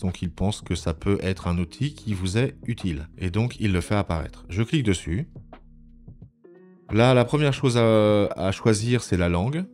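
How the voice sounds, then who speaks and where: Low-voiced man narrating a software tutorial. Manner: methodical, explanatory, with frequent hesitant pauses. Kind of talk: informal step-by-step screencast narration. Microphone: voice-over recorded on a microphone at a computer.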